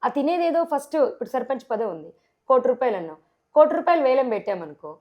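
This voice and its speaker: A woman with a Telangana Telugu accent, a sarpanch candidate answering in a TV interview, forceful and full of rhetorical questions. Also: sits high, sing-song, fast, dull audio.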